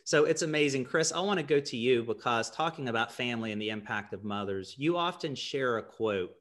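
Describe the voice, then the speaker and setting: A middle-aged man with a light West Virginia accent moderates a panel. He affirms each speaker before steering to the next question, at an ordinary middle pitch. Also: animated, a little fast, a bit bright.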